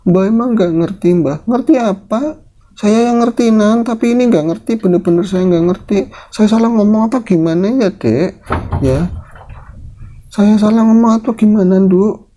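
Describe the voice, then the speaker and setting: A man voicing a chatty, weepy old village woman who sells porridge, speaking in a high, emotional, repetitive way. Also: animated, moderate pace, mellow, a little hiss or hum. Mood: fretful.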